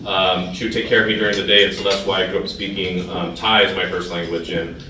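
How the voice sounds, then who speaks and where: A man's voice: sits low, flat delivery, fast, noisy background. A man in his thirties from California's Central Valley, giving a casual club talk with many fillers and restarts. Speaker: guest speaker, mayoral candidate. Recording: echoey distant room mic.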